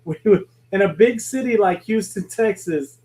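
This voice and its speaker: Man, high pitch, casual chat, show guest. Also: expressive, unhurried, a little mellow. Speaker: guest, ring announcer.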